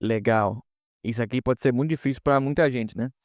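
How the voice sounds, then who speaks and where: A man's voice: medium pitch, a little fast, no room sound, studio quality. A man teaching English pronunciation in a casual online lesson, explaining step by step and often checking in with students.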